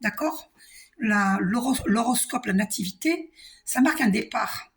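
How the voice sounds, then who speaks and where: A woman doing a calm, reassuring spiritual card reading. She talks to the viewer, repeats herself and uses many fillers. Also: on the high side, measured pace. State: coughing a little. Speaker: card reader.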